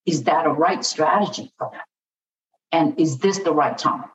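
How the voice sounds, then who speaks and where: A woman's voice: low voice, moderate pace. A woman speaking as a guest in an interview, earnest and repeating herself with many fillers. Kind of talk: conversational interview. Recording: distant, roomy, dull audio with faint noise.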